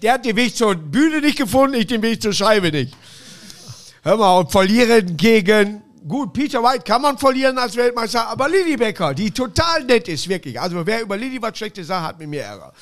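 A man with a high voice that climbs and swoops as he talks. He hosts a relaxed podcast chat and fires off joking stories with quick punchlines. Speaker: podcast host. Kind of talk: casual chat.

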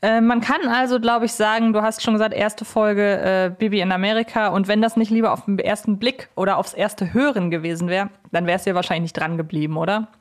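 A woman's voice: medium pitch, steady tone, fast talker, few pauses. A woman hosting a podcast, chatting casually and offering her own opinions as she interviews.

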